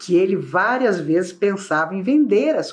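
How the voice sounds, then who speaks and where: Very wide pitch swings from a woman speaking at a moderate speed. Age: 60s. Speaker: spiritist lecturer. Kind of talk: recorded lecture. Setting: recorded message online.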